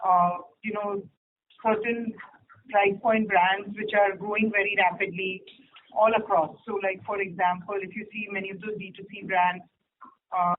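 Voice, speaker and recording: A company executive answering analysts on an earnings call, haltingly and with repeated phrases. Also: mid-range voice. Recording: faintly noisy phone line.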